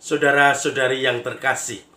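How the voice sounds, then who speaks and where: A man giving a homily as a Catholic priest, his voice hoarse and a little nasal from a cold, telling stories with frequent chuckles. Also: mid-range voice, flat delivery, moderate pace, bright, forceful tone, reverberant. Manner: chuckles often, storytelling; playful, mimics lion dance sounds.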